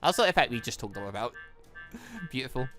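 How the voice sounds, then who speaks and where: Animated, bright-voiced gamer. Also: mid-range voice, a little fast, soft background music. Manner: rambling, thinking aloud, exclamatory. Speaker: gaming channel host. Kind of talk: excited game playthrough commentary with rambling reactions.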